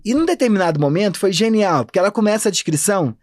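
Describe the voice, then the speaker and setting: A Brazilian man, an anthropologist, talking fast and animated in a casual podcast interview. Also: high voice, no room sound, studio quality. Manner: animated, talks fast and thinks aloud. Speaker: anthropologist guest.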